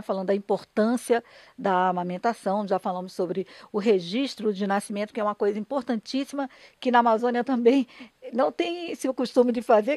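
A woman's voice: a little high, darkish tone, dry recording. A Brazilian woman, a radio dramatist and broadcaster, explaining her work conversationally and earnestly in an interview, often checking for agreement.

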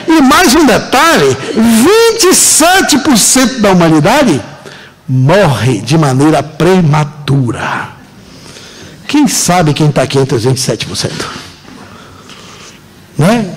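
Brazilian guy lecturing a hall full of people, high voice, swoops up and down a lot, jokey and emphatic. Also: sing-song. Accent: Brazilian Portuguese. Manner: emphatic, joking, drawn-out dramatic pauses. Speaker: seminar lecturer. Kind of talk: lively lecture to a live audience. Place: auditorium.

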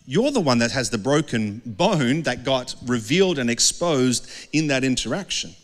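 Pastor preaching in a reverberant hall. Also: male voice, medium pitch, very animated, moderate pace. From Australia. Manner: conversational, earnest, asks the crowd questions. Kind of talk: sermon. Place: dark indoor stage with a couch. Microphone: handheld mic.

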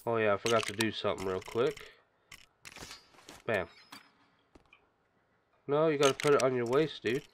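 A man hosting a gaming channel, chatting casually and reacting excitedly as he plays, sniffling from a stuffy nose. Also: medium pitch, moderate pace, long pauses, background noise. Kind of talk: casual game commentary.

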